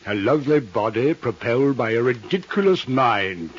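An actor playing a vain, fussy master jeweler with florid, grandiose speech in a 1950s radio drama. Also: male voice, mid-range voice, lively intonation, moderate pace, husky. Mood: scornful. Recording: dull vintage 1950s radio recording.

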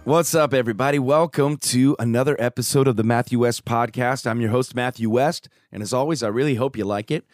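A man with a hoarse voice hosting his podcast, upbeat and joking in casual chat. He grew up in Chicago. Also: medium pitch, brisk, hardly any pauses, dry recording, clean studio sound, soft background music. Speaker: podcast host. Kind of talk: casual podcast monologue and interview. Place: home studio.

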